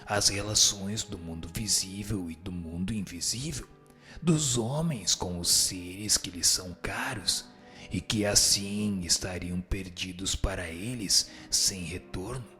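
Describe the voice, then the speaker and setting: A man performs a grave spirit mentor in an audio drama. The voice is deep and bright, with a slow, measured delivery that admonishes and instructs solemnly. Faint music plays underneath. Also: heavily acted. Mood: solemn, instructive. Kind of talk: scripted audio drama reading of a spiritual text.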